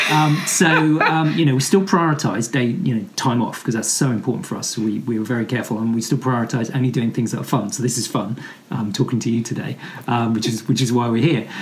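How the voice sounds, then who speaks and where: Ordinary pitch variation marks a man's very fast delivery. Background noise is noticeable throughout. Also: medium pitch for a man. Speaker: property investor. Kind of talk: interview.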